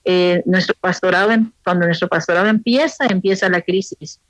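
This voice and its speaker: Honduran woman speaking with pauses. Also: fairly low pitch, fairly even intonation, no room sound. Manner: thoughtful, many pauses and restarts. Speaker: pastor's wife and guest. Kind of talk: interview answers.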